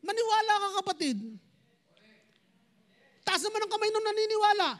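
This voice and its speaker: Male pastor, strikingly high voice, preaches straight at the congregation, flips between languages. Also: fairly quick, a bit bright. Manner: switches between Tagalog and English, addresses congregation directly. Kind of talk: sermon.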